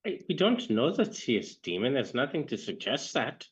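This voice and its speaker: A man's voice: mid-range voice, very animated, brisk, slightly rough, highs cut off. A man playing a tabletop game, casually questioning and quibbling over exact wording.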